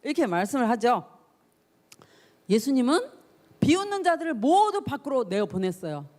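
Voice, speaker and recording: A woman preaching a sermon for teenagers, her voice sitting a little high and swinging widely up and down as she tells the story. She acts out the voices of the people in it with feeling and keeps putting questions to her young listeners. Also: moderate pace. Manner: animated storytelling, acting out voices and cries; asks the listeners questions directly. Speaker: youth pastor. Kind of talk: youth sermon.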